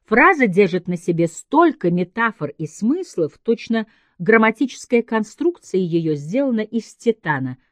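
A woman reading a scripted literary essay aloud in a measured, emphatic way, with deliberate pauses between phrases. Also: mid-range voice, big pitch swings, no room sound. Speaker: writer giving a literary essay.

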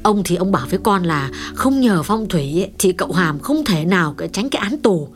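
A woman voicing a gossipy, excitable household cook in an audiobook. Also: on the low side, brisk, faint music behind. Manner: gossiping, alarmed cries.

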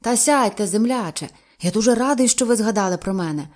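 A polite, nostalgic middle-aged businessman read by a woman narrator. His lines rise in lively, eager exclamations, courteous and sentimental in a storybook reading. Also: mid-range voice, brisk, close to an everyday voice.

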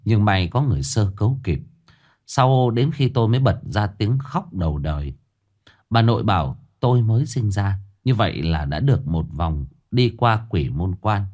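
A man tells a first-person ghost story. His voice is low and very lively, rising and falling widely, and he narrates in an expressive, unhurried way.

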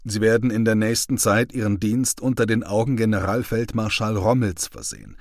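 A man's voice: fairly low pitch, animated, normal speed, no room sound, studio quality. A man reading the part of a stern male army company commander giving formal, clipped orders. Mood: commanding.

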